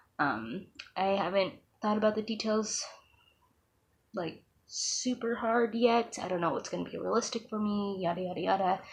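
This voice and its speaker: Somewhat breathy, a woman speaks at a moderate pace with ordinary pitch variation and long, frequent pauses. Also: medium pitch for a woman. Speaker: beauty vlogger. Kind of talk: casual vlog talk to camera. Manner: hesitant, many fillers.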